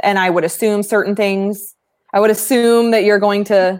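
In a normal speaking voice with an American accent, a woman of medium pitch speaks at a moderate pace with fairly even intonation. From Arizona, East Valley. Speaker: real estate agent and team leader. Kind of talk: casual interview.

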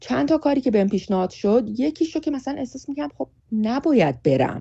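A woman, somewhat breathy, at a fairly quick pace. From Iran. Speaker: theatre actress. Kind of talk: interview.

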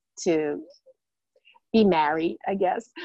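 With a New Orleans accent, a woman talks at a fairly slow pace in a dry, close sound with no echo. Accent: New Orleans Southern American. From New Orleans, US South. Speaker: bank president and CEO. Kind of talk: interview.

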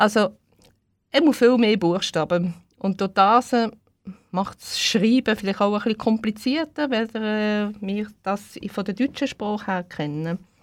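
This woman's voice sits fairly high, her pitch moving in an ordinary way, on a very clean recording with a silent background. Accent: Swiss. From German-speaking Switzerland. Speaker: interpreter. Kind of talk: radio interview.

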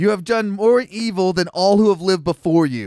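A man puts on a character voice, pitched high and moving at a fairly quick pace.

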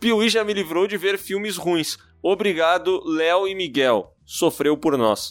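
A man's high-pitched voice at a very slow pace, with ordinary pitch variation, on a very clean recording with a silent background. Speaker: film podcast co-host. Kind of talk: casual chat.

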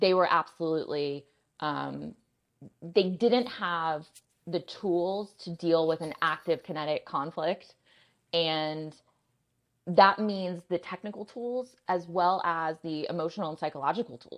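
In an American accent, a woman with an unremarkable speaking voice and fairly low pitch talks at a fairly slow pace, with ordinary pitch variation. Her loudness swings widely, and the background is quiet. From United States. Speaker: cybersecurity threat intelligence expert. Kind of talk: interview.

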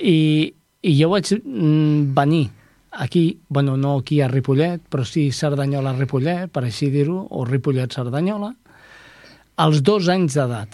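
A man speaks at a very slow pace in a dark, mellow tone. His pitch variation is ordinary. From Barcelona area, Catalonia. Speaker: radio broadcaster and comedian. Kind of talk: radio interview.

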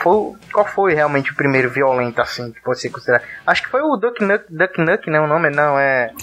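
A man with a fairly high voice talks fairly quickly, with lively intonation and hardly any pauses. His loudness swings widely over noticeable background noise. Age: 20s. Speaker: podcast host. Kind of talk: casual chat.

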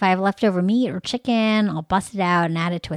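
A woman speaks at medium pitch with ordinary pitch variation and a fairly quick pace, in a normal speaking voice. The recording is very clean with a silent background, and the sound is dry and close with no echo. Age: 40s. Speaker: food blogger and cookbook author. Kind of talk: casual chat.

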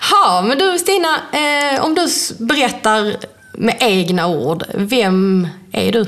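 A woman's fairly high voice with very wide pitch swings, a very slow pace and very even loudness, amid noticeable background noise and audible room echo. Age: 40s. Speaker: podcast host, journalist. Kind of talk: interview conversation. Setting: studio in total darkness.

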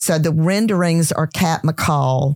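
Someone with a Southern US accent speaks at a fairly slow pace on a very clean recording with a silent background. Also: woman. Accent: Southern US (Georgia). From US South, Georgia. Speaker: celebrity chef and entrepreneur. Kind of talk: interview. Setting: studio.

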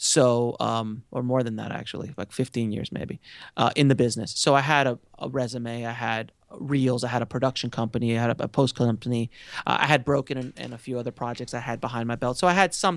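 Recorded very cleanly with a silent background and a dry, close sound with no echo, a man talks at a very fast pace with medium pitch and fairly even intonation. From Miami, Florida (Cuban-American). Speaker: filmmaker. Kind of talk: interview. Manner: fast, stammering restarts.

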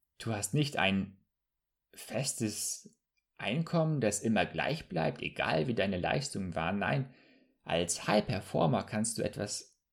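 Over a silent background in a very clean recording, a man speaks at a fairly slow pace. His pitch is fairly low, and his intonation is lively. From northern Germany, Bremerhaven. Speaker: podcast host and network marketer. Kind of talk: solo podcast monologue.

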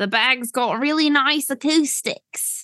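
A female-sounding voice puts on a character voice, pitched high. The pace is fairly slow.

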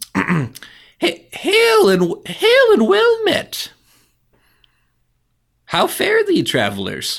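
A man puts on a character voice at an extremely high pitch, speaking at a very slow pace. Long, frequent pauses break it up, on a very clean recording with a silent background. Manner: greeting in archaic fantasy speech.

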